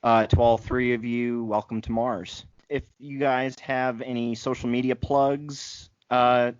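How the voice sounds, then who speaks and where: A man hosting a podcast, thanking his guests in a measured, gracious way with some fillers. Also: medium pitch, level tone, no room sound, highs cut off. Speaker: podcast host. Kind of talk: casual podcast chat.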